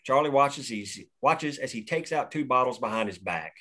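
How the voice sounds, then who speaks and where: Steady man reading stage directions. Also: mid-range voice, normal speed. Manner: plain, steady read of action lines. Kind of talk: table read of a screenplay.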